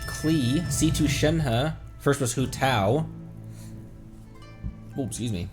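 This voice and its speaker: A man streaming a game, talking casually to viewers in an animated, rambling way and muttering to himself. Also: mid-range voice, takes it slowly, music in the background. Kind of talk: casual livestream gaming chat with viewers.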